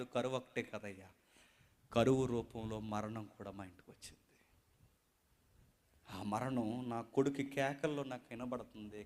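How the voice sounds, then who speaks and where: A man speaking as a grieving, widowed poor mother in famine, in a hushed, sorrowful, pleading voice. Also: medium pitch, voice pushed down, close to an everyday voice.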